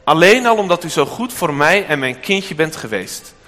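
A man voicing a tired, grateful young mother in a storybook reading, in a raised, soft voice. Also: fairly high pitch, expressive, normal speed, in a large hall.

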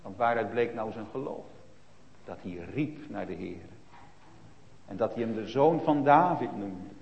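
A man preaching a sermon to children, emphatic and shifting between loud stresses and hushed asides, with many tag questions. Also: on the low side, expressive, unhurried, vocal fry, a little hiss or hum. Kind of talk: sermon retelling a Bible story for children. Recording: reverberant, dull lo-fi church recording.

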